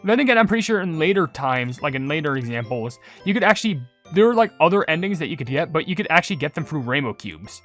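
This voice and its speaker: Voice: mid-range voice, big pitch swings, fast talker, a bit bright. Rambling gaming host over music. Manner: rambling, filler-heavy, trailing off and correcting self. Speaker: video creator and host. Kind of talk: casual gaming commentary over cutscenes.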